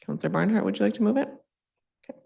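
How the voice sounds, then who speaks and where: A woman's voice: medium pitch, expressive, racing, vocal fry, husky. A woman with a Canadian accent chairing a council meeting in a formal, procedural manner. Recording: dull, distant council mic.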